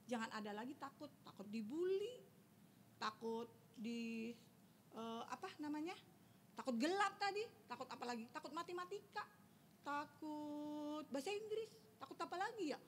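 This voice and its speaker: A woman's voice: high-pitched, moderate pace, slight background noise. A young woman, telling a Bible story to children as a Sunday school teacher and quizzing them as she goes. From Indonesia. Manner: lively, keeps quizzing the children.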